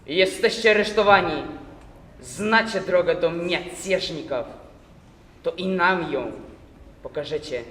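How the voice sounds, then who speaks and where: A man's voice: mid-range voice, fairly even intonation, slight background noise. A young man reciting in a contest voices a scornful, mocking Cossack officer who drags out his syllables. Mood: menacing. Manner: taunting, drawn-out syllables, shouting. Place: large hall, stage recitation. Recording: echoey hall from far off.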